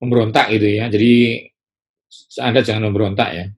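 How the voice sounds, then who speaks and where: A man preaching a sermon in a lively way, acting out the worried voices of ordinary people as examples. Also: on the low side, a little fast, slightly rough.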